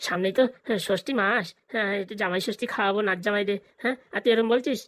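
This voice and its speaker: Someone doing a grumbly protective old grandpa for a cartoon, talks really fast, dry sound. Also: medium pitch, fairly bright tone, no echo, lightly acted. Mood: doting. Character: protective, grumbling village grandfather, a crafty matchmaker. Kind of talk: exaggerated cartoon comedy dialogue.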